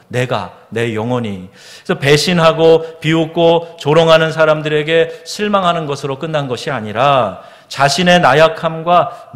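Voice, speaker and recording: A Korean man, a pastor, preaching a sermon in a church, asking the congregation questions and reading scripture slowly and solemnly. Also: mid-range voice. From South Korea. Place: church sanctuary. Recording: long hall reverb of a church.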